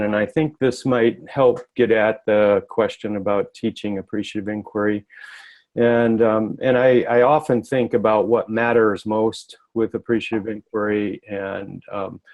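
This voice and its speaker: Brief: low-pitched male professor, halting, filler-heavy talk over a video call. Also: darkish tone. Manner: hesitant, many ums and restarts. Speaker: guest speaker, professor.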